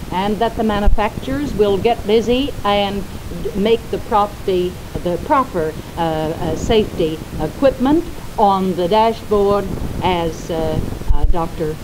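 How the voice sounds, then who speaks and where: A woman with an American accent, medium in pitch with lively intonation at a fairly slow pace, over noticeable background noise. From United States. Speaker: radio host. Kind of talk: radio interview wrap-up. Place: hall. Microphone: old recording.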